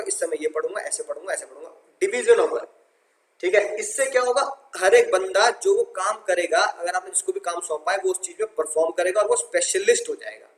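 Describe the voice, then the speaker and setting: Animated high-voiced male teacher, echoey room. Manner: animated, playful, repeats phrases and calls students "munna". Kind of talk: energetic classroom lecture. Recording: roomy echo.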